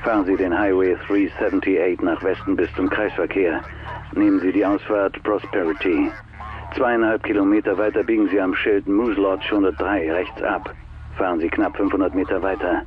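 Cold kidnapper on the phone. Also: male voice, low-pitched. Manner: terse, commanding, deliberate. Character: cold, controlling male kidnapper phoning instructions. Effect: distorted telephone voice. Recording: thin, band-limited phone line.

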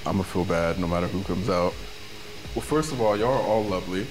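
A man's voice: low-pitched, a little fast, noisy background. A young man chatting casually and politely as a dating show contestant in a studio, a bit apologetic. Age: young adult. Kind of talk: casual, unscripted chat. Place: white studio.

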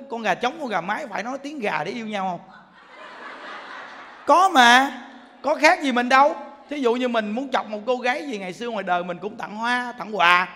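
A man's voice: very high-pitched, bright, forceful tone. A man giving a humorous Buddhist sermon, telling stories and imitating animal sounds. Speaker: Buddhist monk teacher. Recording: long hall reverb.

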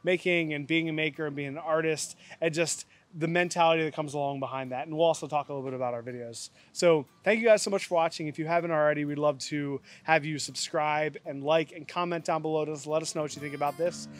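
A man's voice: a little high, steady tone, fast, few pauses. A man in his thirties hosting his channel, talking casually and upbeat with plenty of fillers, filmed outdoors in a yard on the camera mic. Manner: chatty, upbeat, loose with fillers. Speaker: channel host. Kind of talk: casual vlog chat and outro. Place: outdoors in a yard by an old camper.

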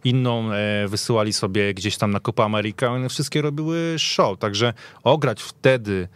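A man's voice: fairly low pitch, moderate pace, clean tone, dry recording. A man speaking as a panel guest in a casual sports podcast discussion, telling stories in long runs. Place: radio studio.

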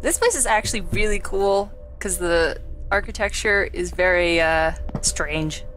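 Low-voiced woman doing casual game commentary. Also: lively intonation, measured pace, a bit bright, faint music behind. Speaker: gamer, let's play host.

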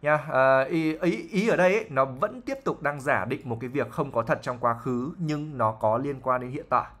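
A man's voice: mid-range voice, moderate pace, a bit bright. A man, an English teacher patiently explaining a novel line by line, with fillers and frequent checks for understanding.

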